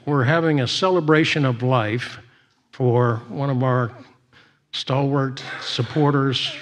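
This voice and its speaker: Slow-paced man leading a church service. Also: medium pitch. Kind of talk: church announcements and devotional reading.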